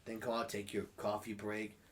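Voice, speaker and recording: A man's voice: on the low side, completely flat delivery, moderate pace. A man in his late twenties, stuffed up from a cold, chatting casually as an interview guest, laughing often and swearing freely. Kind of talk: casual chat.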